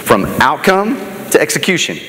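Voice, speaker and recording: In an echoey auditorium with noticeable background noise, a middle-aged American man gives a motivational keynote from a large indoor stage. His fairly high voice is pushed and bright, swinging hugely in pitch at normal speed as he tells stories in an emphatic, dramatic yet conversational way.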